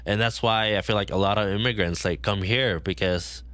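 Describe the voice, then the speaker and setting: A man's voice: fairly low pitch, moderate pace, fairly bright tone, no room sound. A man hosting a podcast, talking in a laid-back, casual way and agreeing often. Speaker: podcast host.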